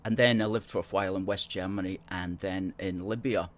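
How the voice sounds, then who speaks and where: A man's voice: deep voice, steady tone, fairly quick. A middle-aged man with an educated Scottish accent, hosting a livestream and replying to viewer comments in a chatty, sardonic way. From born in Hong Kong. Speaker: host.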